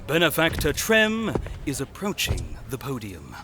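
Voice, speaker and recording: An actor playing a futuristic news reporter giving dramatic, announcer-like live commentary on a public event. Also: male voice, medium pitch, wildly swooping pitch, measured pace, pushed and bright, soft background music, exaggerated voice. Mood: excited, suspenseful.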